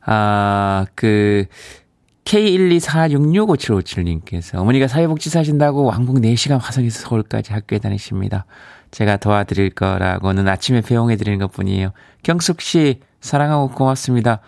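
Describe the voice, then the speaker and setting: A gravelly, darkish, lowish male voice moves a little fast with lively intonation, recorded clean in the studio with no room sound. The speaker, a radio host from Yeongcheon, South Korea, talks in Daegu-Gyeongbuk dialect into a studio microphone, casually chatting, reading out listener messages, and laughing easily.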